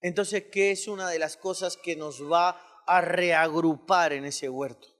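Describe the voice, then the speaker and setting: High pitched preacher man, reads verses quick, makes the church say it with him. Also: steady tone, fairly bright tone. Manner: calls the congregation to repeat words, reads scripture fast. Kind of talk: call-and-response sermon.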